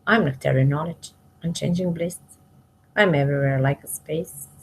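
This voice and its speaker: A woman reading spiritual verses aloud devotionally, in measured short phrases that trail off softly at the ends. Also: deep voice, a little hiss or hum. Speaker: reader of spiritual scripture, commenting as she goes.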